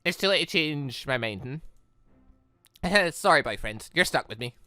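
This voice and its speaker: A gaming YouTuber giving casual, rambling, expressive let's play commentary on a visual novel, speaking emphatically. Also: medium pitch, moderate pace, no echo. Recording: game music playing behind voice. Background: visual novel game music.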